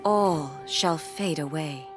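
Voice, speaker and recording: A woman's voice: low voice, slow pace. A woman playing a cold, stately, godlike ruler in a game trailer, speaking with detachment. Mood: cold, detached. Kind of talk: scripted game trailer acting. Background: music.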